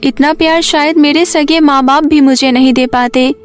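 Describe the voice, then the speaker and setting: A woman voicing a stubborn but affectionate young schoolgirl, pleading and childlike, in an animated story. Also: sits high, moderate pace, natural voice. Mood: loving, apologetic.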